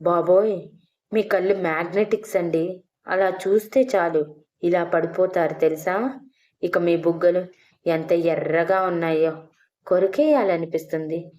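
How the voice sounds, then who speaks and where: Playful older wife, read by a woman, low voice, teasing, coaxing, audio storybook. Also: fairly even intonation, a little slow, long pauses, a little mellow, close to an everyday voice. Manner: teasing, pleading.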